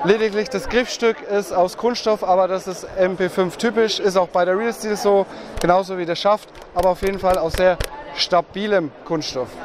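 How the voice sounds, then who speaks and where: A man with a high pitch speaks at a moderate pace and with fairly even intonation. The sound is dry with no echo, and background noise is noticeable. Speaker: airsoft team vlogger. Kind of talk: product presentation at a trade fair. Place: hall. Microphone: lapel.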